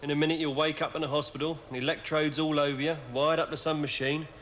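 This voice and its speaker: Man, sketch comic, deadpan, higher voice, noisy track. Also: fast. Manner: dry, deadpan delivery rising to indignant rant. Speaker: comedian in sketches. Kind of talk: sketch comedy acting.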